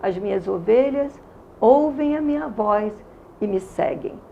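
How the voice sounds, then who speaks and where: A woman's voice: a little high, lively intonation, measured pace, gravelly, narrow, tinny audio, a little hiss or hum. A woman in her sixties with a Carioca accent, earnestly and emotionally telling her faith testimony in an interview. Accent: Carioca Brazilian Portuguese. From Rio de Janeiro, Brazil. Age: 60s. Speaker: interview guest giving a testimony. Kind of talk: religious testimony in conversation.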